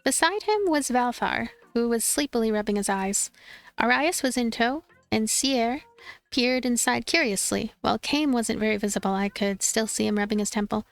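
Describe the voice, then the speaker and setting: A woman with a fairly high voice narrates a visual novel for a let's play. She reads expressively, like a storyteller, with music playing behind her. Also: moderate pace, no echo. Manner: animated storytelling, acts out dialogue.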